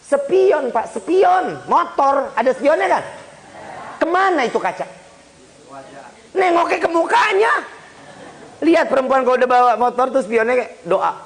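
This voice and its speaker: A man's voice: extremely high pitch, measured pace, long pauses. A man, preaching a humorous Islamic sermon and talking straight to his congregation with jokes. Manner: lively, joking, addresses the audience directly.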